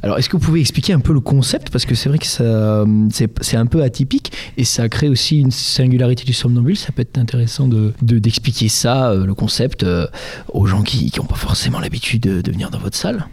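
A man's voice: mid-range voice, brisk, darkish tone, husky. A man hosting a casual interview, feeling his way through long, loosely phrased questions with a jokey touch. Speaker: interviewer, show host. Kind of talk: casual radio-style interview.

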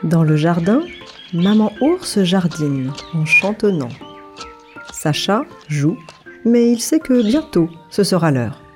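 Woman storyteller for a picture book, lively melodic delivery, mellow tone, soft music underneath. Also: fairly low pitch, slow pace. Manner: lively, playful, voices many animals. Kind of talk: children's story reading.

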